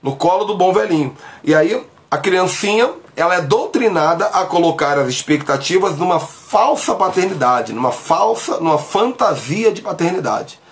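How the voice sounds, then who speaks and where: A man's voice: sits high, expressive, moderate pace, hardly any pauses. A man preaching on a live stream from a small bedroom, emphatic and talking straight to his viewers through a phone camera while sick with covid. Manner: emphatic, gestures broadly, speaks to viewers directly. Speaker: pastor. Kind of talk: livestream preaching. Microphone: phone camera at arm's length.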